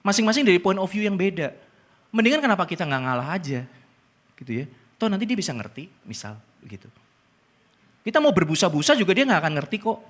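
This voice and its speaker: A man's voice: sits high, quick pace, long pauses. A middle-aged man, preaching a casual sermon and telling a personal story in a chatty, joking way. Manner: chatty, animated, laughs at own story, slangy. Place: church.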